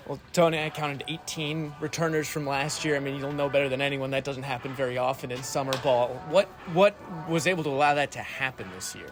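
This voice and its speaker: A man's voice: mid-range voice, fairly even intonation, fairly quick, few pauses. A young American man interviewing people in baseball as a sports broadcaster. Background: music.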